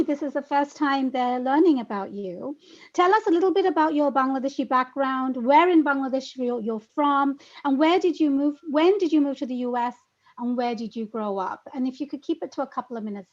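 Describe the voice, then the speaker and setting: A woman's voice: sits high, normal speed. A woman hosting an online meet-and-greet, reading an introduction and asking questions with effusive enthusiasm over a video call. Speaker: host. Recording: muffled lo-fi audio.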